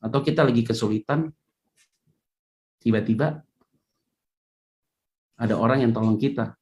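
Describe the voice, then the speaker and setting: Lady pastor preaching casual, jokey asides, chatty and lively. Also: extremely low pitch, measured pace. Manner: chatty, joking asides, animated. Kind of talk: casual sermon.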